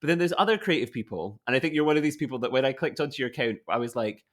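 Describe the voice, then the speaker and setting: A man's voice: medium pitch, animated, rapid-fire. A young man hosting a conservation podcast, asking questions in a rambling, casual way full of restarts. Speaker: podcast host. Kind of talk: casual interview chat.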